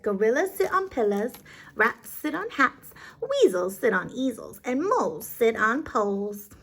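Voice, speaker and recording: A woman's voice: fairly high pitch, sing-song, a little slow, a bit bright, slightly rough, heavily acted. A woman voicing an exasperated, know-it-all cat in a picture book, with emphatic singsong rhymes. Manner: emphatic, singsong rhyming delivery.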